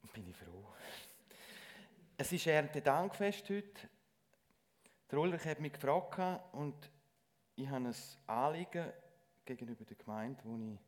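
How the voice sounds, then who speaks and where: A middle-aged man giving a lay sermon in church, speaking earnestly and haltingly with frequent restarts. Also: medium pitch. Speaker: lay preacher.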